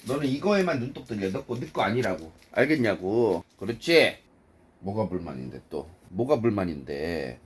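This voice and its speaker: A man's voice: on the low side, sing-song, moderate pace, husky. A man with a cold live-streaming from bed at home, chatting casually, swearing and scolding his dog. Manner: swearing, talking to his dog, reading chat. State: sick with a cold, coughing.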